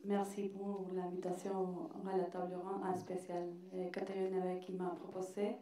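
A woman's voice: fairly low pitch, monotone, moderate pace, mellow. Woman with a strong Argentine accent. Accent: Argentine Spanish. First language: Spanish. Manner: hesitant, many restarts and fillers. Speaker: panelist, anthropology researcher. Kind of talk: academic panel talk. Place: large hall on a stage. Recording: echoey hall from far off.

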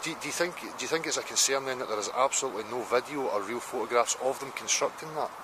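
Scottish man, middle-aged, rapid insistent street interviewer, handheld mic, noisy outdoors. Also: mid-range voice. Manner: insistent, persistent questioning. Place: outdoors on a riverside footbridge. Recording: loud outdoor traffic noise.

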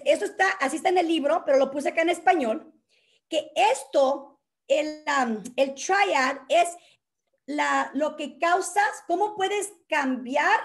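A woman with a very high voice gives a motivational workshop from her home. She talks with lively energy, dropping English words into her Spanish as she coaches a group. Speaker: workshop host.

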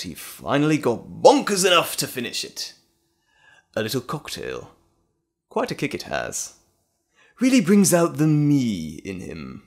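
Casting: sinister evil-twin villain for audio roleplay, slow, savoring pace, highly animated pitch, mocking and gloating. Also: male voice, creaky, full character voice. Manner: mocking, drawn-out, theatrical delivery with chuckles. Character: gloating, sinister male evil alter ego, theatrical villain.

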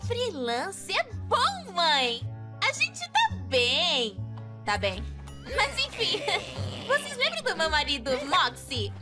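A woman's voice: very high-pitched, wildly swooping pitch, slow pace, heavily acted. A woman voicing a sweet, perky young demon wife in a cartoon fan dub, with a Brazilian accent. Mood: cheerful. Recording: loud music behind the voice.

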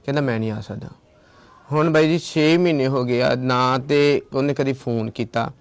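A man with a mid-range voice and some vocal fry speaks at a normal speed, his tone smooth, in a dry recording. He is an ashram caretaker from Tarn Taran district in Punjab, talking insistently in a confrontational on-location video, repeating his points and quoting phone calls.

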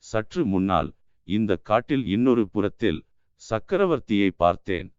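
A man voicing a sly, menacing Buddhist monk who speaks gravely and with veiled threat, in a dry, dull-sounding recording. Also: on the low side, very animated, moderate pace, no room sound. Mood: grave, warning. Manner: mocking, then grave and commanding.

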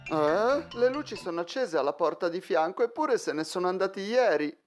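A woman's voice: fairly low pitch, animated, brisk, natural voice. A woman voicing a whiny, easily frightened young schoolboy in a cartoon fandub, stammering and exclaiming. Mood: anxious. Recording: music behind the voice.

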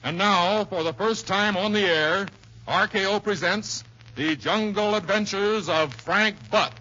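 A man's voice: sits high, measured pace, pushed and bright. A man making a declamatory, dramatic advertising announcement in 1930s radio style. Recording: muffled, noisy 1930s radio recording.

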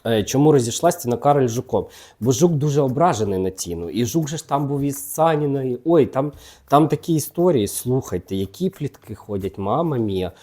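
Mellow-voiced man dishing gossip. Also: medium pitch, expressive, fairly quick. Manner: chatty and teasing, talks directly to celebrities. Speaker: gossip channel host reading tarot cards. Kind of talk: casual gossip chat.

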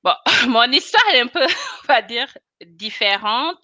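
A woman's voice: fairly high pitch, sing-song, a little slow, sharp tone, no room sound. A woman in her thirties, a chemist and cosmetics consultant, talking animatedly as a guest on a video call interview and laughing often. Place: small room indoors. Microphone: webcam on a video call.

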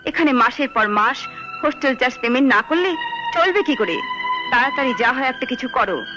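A stern, impatient hostel manageress in a film drama, scolds in a high voice with big swings of pitch. Music sits in the soundtrack. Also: female voice, animated, brisk, dull audio. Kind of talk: Indian film drama dialogue.

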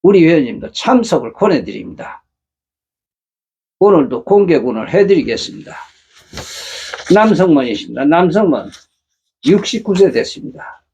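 Middle-aged guy running a matchmaking channel, husky voice, bouncy pitch, preachy rhetorical questions. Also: very animated, moderate pace, pauses often, dark tone, dull audio. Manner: earnest, lecturing with rhetorical questions. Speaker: matchmaking agency host. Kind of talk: casual monologue to viewers.

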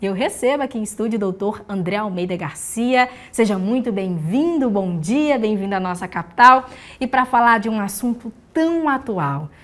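A woman in her thirties with a mid-pitched voice, presenting in a polished, welcoming way. She speaks as a morning TV host in a studio, on a clear lapel mic. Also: lively intonation, normal speed, hardly any pauses. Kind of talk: morning TV interview hosting. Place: TV news studio.

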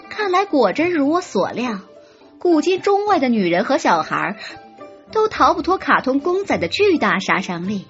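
High, lively woman narrating a novel. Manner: lively, expressive storytelling. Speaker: audiobook narrator. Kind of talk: scripted first-person narration. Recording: slightly muffled with soft music.

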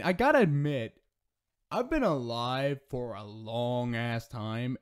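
A man's voice: mid-range voice, a little mellow, close to an everyday voice. A man voicing a cheeky, flirty male demon in a casual, sardonic ASMR roleplay monologue, joking and swearing freely. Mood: teasing pity.

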